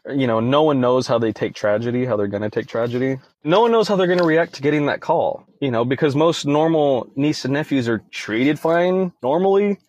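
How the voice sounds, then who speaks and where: Young male guest, casual storyteller with plenty of "you know"s, mid-pitched, dead-dry recording. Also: fairly quick, hardly any pauses, darkish tone, no echo. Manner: conversational, leans on "you know" fillers. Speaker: podcast guest.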